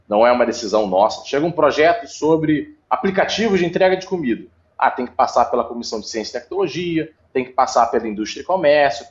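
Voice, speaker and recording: A man, speaking as a city councilman in an interview. He explains patiently, with frequent fillers, in a mid-range voice. The audio is slightly dull. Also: mid-range voice. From Brazil. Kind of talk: interview answers.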